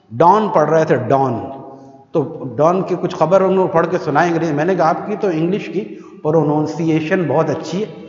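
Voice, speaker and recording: A man from Pakistan preaching a sermon to worshippers in a mosque, conversational with rhetorical questions, sometimes reciting verses in a slow melodic chant. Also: sits high. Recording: echoey hall, muffled sound.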